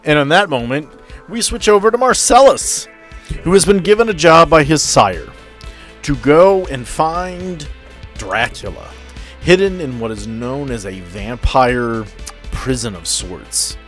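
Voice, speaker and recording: A man's voice: on the high side, lively intonation, measured pace, soft background music. A man narrating as game master on a tabletop roleplay podcast, talking conversationally and addressing his players directly.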